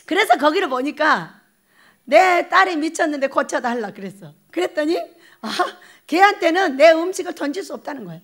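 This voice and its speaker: A woman pastor preaching a folksy, animated sermon, often asking the congregation questions and acting out quoted voices. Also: sits high, moderate pace. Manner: acts out quoted voices with laughter. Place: prayer retreat sanctuary.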